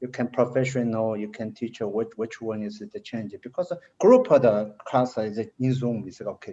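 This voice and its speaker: A man with a Mandarin accent and a dark, mellow tone speaks at a moderate pace. His pitch varies in an ordinary way, while his loudness swings a lot. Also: medium pitch for a man. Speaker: personal trainer, English student. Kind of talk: casual chat. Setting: video call. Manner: halting.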